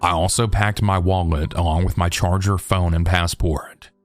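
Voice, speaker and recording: A man reading a listener's true story aloud in a steady, measured storytelling voice. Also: low voice, no room sound, soft background music. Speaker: narrator.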